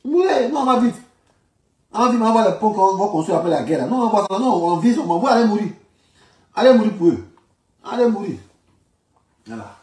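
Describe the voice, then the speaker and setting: Echoey, higher-pitched Ivorian man. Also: big pitch swings, fairly quick, pauses often, darkish tone. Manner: repeats phrases emphatically, colloquial. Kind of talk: informal political commentary. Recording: echoey room, distant from microphone.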